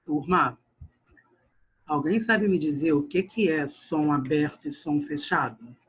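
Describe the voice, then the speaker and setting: A man's voice: a little high, measured pace, a bit bright, slightly rough, rough recording. A male grammar teacher, giving an online lesson and often calling out to his class while he stretches words for emphasis. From Brazil.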